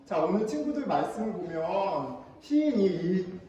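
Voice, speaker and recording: A male pastor giving an animated, playful children's sermon in a church, acting out whining kids now and then. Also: high voice, measured pace. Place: church sanctuary. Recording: echoey hall from far off, faint noise.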